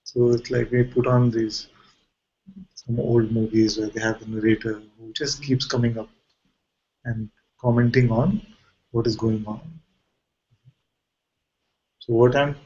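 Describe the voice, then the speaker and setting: A man leading an informal guided spiritual dialogue as a teacher, asking probing questions and pausing mid-sentence. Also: mid-range voice, flat delivery, mellow, dull audio.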